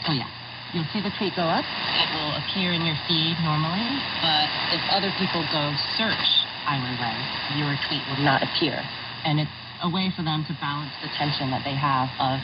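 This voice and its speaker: A woman's voice: deep voice, normal speed. A woman explaining things as an interview guest on a shortwave radio broadcast. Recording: very noisy muffled shortwave radio reception.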